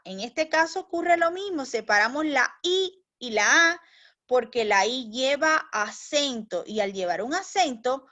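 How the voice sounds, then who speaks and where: A high-voiced woman teacher talks slowly and patiently, explaining each step to young pupils and pausing to check that they are following. The recording is slightly dull and lo-fi. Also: fairly bright tone. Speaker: primary school teacher. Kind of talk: recorded language lesson for children.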